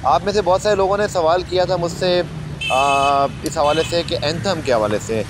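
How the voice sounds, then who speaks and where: Over outdoor footage, a man with a Pakistani Urdu accent chats eagerly and informally as a sports journalist vlogger, repeatedly saying "janab" to his audience. His voice is a little high at normal speed, with background noise present.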